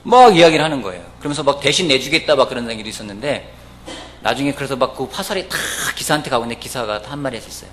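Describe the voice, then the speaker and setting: A man's voice: racing, a little hiss or hum. A man preaching a weekday church sermon, telling stories and acting out the people he quotes. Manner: storytelling, acting out quoted voices, lively pitch. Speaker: pastor. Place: church service.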